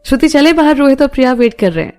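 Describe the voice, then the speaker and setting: A woman's voice: sits high, expressive, rapid-fire, a little mellow, soft background music, voice pushed up. A woman voicing a young male political leader who teases his girlfriend with affection. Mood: tender.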